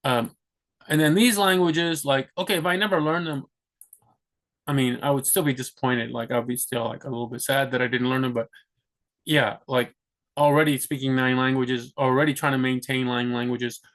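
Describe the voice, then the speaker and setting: In a fairly bright, medium-pitched voice with fairly even intonation, a young American man vlogs to the camera at normal speed. He meanders through his personal plans casually, restarting often and filling pauses.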